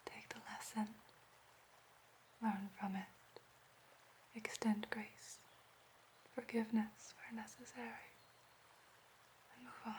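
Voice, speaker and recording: A woman playing an ancient, gentle elf therapist in a whispered role-play, speaking softly, formally and solemnly in a breathy whisper. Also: a little high, steady tone, takes it slowly, long pauses, slight background noise, poor audio. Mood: wistful, solemn.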